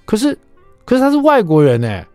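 An excited little kindergarten boy, put on by a man, squeaky and high, with a lively up-and-down voice. He blurts out eager, breathless exclamations. The studio sound is dry and close, with faint music underneath. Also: fairly quick, no echo. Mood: pleading. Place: radio studio.

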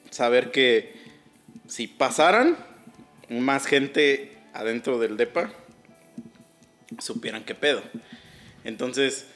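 A man's voice: medium pitch, a bit bright. A man with a Mexican accent, rambling in slangy casual chat. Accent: Mexican Spanish.

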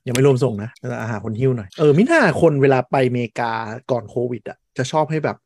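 A man's voice: mid-range voice, sing-song, quick pace, darkish tone. A man co-hosting a tech podcast, chatting casually and bluntly with slangy banter. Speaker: podcast co-host.

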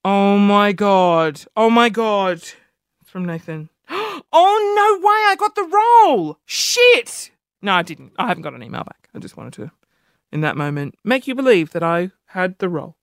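A man with a high-pitched voice hosting a podcast, telling a story in an animated, self-deprecating way. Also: measured pace, no room sound, studio quality. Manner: animated, self-deprecating, jumps between high and low tones. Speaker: podcast host. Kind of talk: casual storytelling monologue.

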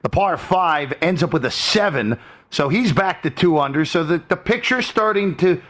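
A man's voice: on the high side, animated, moderate pace, fairly bright tone. A man hosting a sports show, giving live updates in the manner of a golf commentator.

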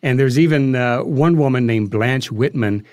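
A man being interviewed as a guest, telling anecdotes conversationally and haltingly as he thinks aloud. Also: mid-range voice, a little mellow, dry recording, clean studio sound.

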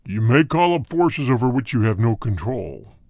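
A male audiobook reader voicing a cold, hard, deep spirit that speaks through a medium in slow, grave sentences. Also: big pitch swings, darkish tone, no echo, clean studio sound. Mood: solemn. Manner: slow, grave, measured pronouncements. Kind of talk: audiobook reading.

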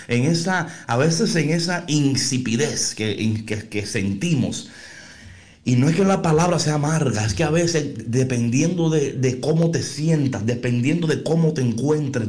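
A man's voice: mid-range voice, darkish tone. A man preaching an informal sermon, folksy and playful, talking straight to his listeners.

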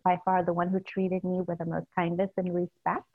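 A woman from El Salvador, a newly elected city supervisor, answering interview questions in an earnest, casual way with many fillers and soft laughs. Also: fairly low pitch, monotone, fairly quick. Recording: tinny phone line.

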